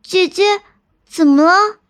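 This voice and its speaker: An excitable young girl, the younger sister of a folk tale, as a woman narrator puts her on. She chirps very high and eager, full of wonder. Her lines come slowly and clearly, in storybook fashion. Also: exaggerated voice. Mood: excited.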